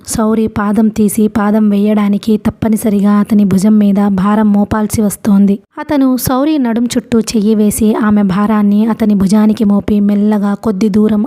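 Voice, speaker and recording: A woman's voice: mid-range voice, warm tone. A young adult woman, host of the channel, narrating a novel as an audiobook storyteller and voicing the characters in her own voice.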